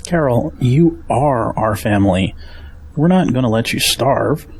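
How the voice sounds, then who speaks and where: A man acting a kindly, steadfast family man with a husky voice in a Christian audio drama. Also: medium pitch, lively intonation, unhurried, a little mellow, slight background noise. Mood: reassuring, practical.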